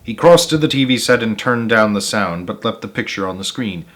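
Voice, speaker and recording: A man's voice: on the low side, lively intonation, fairly quick, fairly bright tone. A man reading a children's book aloud as the narrator of a storytime show. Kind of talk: children's book read-aloud with casual asides.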